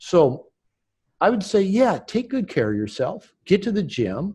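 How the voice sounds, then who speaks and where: A man's somewhat breathy voice unfolds at a fairly slow pace, with the background quiet. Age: 60s. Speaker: dating coach and author. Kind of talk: interview. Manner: halting, many false starts.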